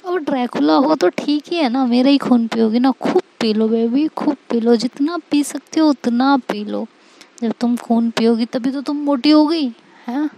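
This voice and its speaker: A woman's voice: sits high, moderate pace, creaky, mellow, poor audio. A woman voicing a playful young woman who teases and coaxes her upset wife in a pleading, sing-song way. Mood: coaxing.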